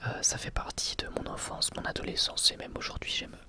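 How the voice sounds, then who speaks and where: A young man speaks in a breathy whisper close to the microphone, giving casual, unscripted ASMR commentary with hesitant pauses.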